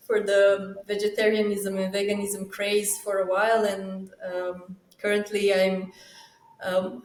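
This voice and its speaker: A woman's voice: mid-range voice, echoey room, poor audio. A woman from Romania, a summit co-founder, talks casually in an interview and often hesitates with fillers and restarts.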